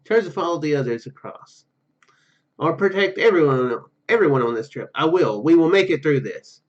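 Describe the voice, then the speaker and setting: Male gamer, fairly high voice, halting read-aloud, casual asides, dull recording. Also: lively intonation. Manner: halting reading, stumbles and repeats words. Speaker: gaming video host. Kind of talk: reading game narration aloud with casual commentary.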